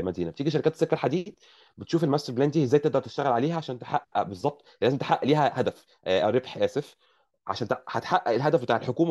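A man's voice: medium pitch, darkish tone. A man with an Egyptian Arabic accent, a guest engineer explaining at length in an interview, often restarting his words. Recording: muffled lo-fi audio.

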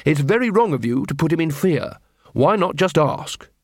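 A man's voice: on the high side, animated, moderate pace, no echo, studio quality. A man voicing an earnest, polite watch officer in a storybook, mildly and courteously reasoning. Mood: polite firmness.

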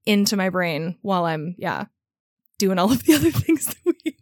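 A woman's voice: mid-range voice, very animated, normal speed, dry recording, clean studio sound. A woman co-hosting a podcast, chatting casually and playfully with a friend in informal language. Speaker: podcast co-host. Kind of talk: casual chat between friends.

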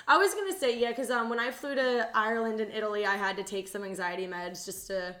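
An echoey, roomy recording of a woman in her twenties with a slightly high voice. She talks like a podcast co-host, chatty and informal, with plenty of casual slang. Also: a little fast, a bit bright. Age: 20s. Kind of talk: casual chat.

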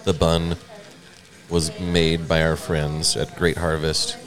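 A man's voice: a bass voice, flat delivery, slow, a crowd in the background. A man casually chatting and joking while eating a burger at a restaurant. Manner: joking, playful. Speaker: co-host of a food review show.

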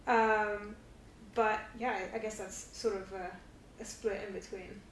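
A woman's voice: medium pitch, fairly even intonation, a little slow. Woman guest, distant and echoey. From London. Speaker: podcast guest. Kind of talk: casual interview chat. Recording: echoey, distant from mic, faint noise.

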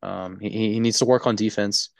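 A congested man co-hosting a sports podcast, talking in a halting way full of restarts and stutters. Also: on the low side, steady tone, gravelly, no room sound, clean studio sound. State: congested, stuffy. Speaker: podcast co-host. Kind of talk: casual sports chat.

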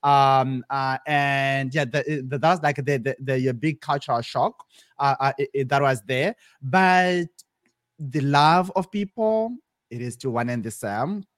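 A man's voice: mid-range voice, unhurried, dry recording, clean studio sound. A man in his twenties from Zimbabwe, a guest in an interview, talking casually with many restarts and repeated words. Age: 20s. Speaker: podcast guest, business founder.

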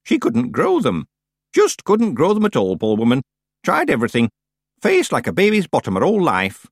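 A man voicing a proud, sly old woman witch in an audiobook, with crisp, dramatic, genteel delivery. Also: medium pitch, wildly swooping pitch, moderate pace, dry recording, clean studio sound, voice pushed up, heavily acted. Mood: stout, chatty. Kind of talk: audiobook character voice.

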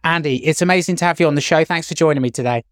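A man's voice: fairly high pitch, very fast, no room sound. Male podcast host, dry close sound. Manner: friendly, with fillers. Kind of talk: conversational interview.

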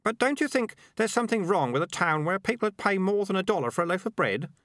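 A man's voice: sits high, animated, fast, a bit bright, no room sound, studio quality, pitched above the performer's own voice. A man voicing a naive, honest young boy who speaks in an earnest, uneasy, questioning way in a storybook.

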